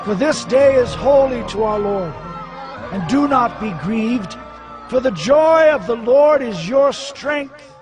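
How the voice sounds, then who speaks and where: A man's voice: very high-pitched, expressive, full character voice. An actor playing a holy man who exhorts and comforts his people, proclaiming in a scripture dramatization. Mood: uplifting, proclaiming. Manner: slow, proclaiming. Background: music.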